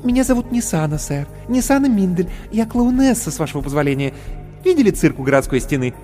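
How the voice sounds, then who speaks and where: A breathless young clown girl gushes in a very high, fluttering voice, as a male reader puts her on. She pours out thanks and admiration without pause. The storybook reading has a long, echoing reverb and faint music underneath. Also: big pitch swings, dark tone. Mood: gushing. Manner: breathless, gushing, falsetto. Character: gushing, effusive young woman clown. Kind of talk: audiobook character voice.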